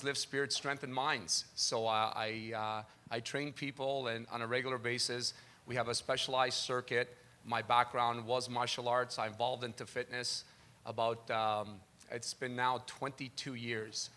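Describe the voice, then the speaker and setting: A man's voice: medium pitch, pushed and bright. A man from Canada introducing himself as a panelist on stage, plain-spoken and upbeat, using a handheld mic. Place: large tent stage before an audience. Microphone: handheld mic, far camera.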